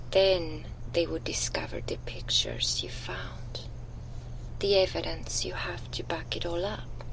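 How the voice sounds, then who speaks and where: A woman's voice: lowish voice, vocal fry, exaggerated voice, low-quality recording. A woman whispering as a taunting vampire. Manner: soft unvoiced whisper, slow and taunting. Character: cold, menacing female vampire enforcer. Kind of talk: ASMR roleplay, whispered. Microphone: binaural microphone.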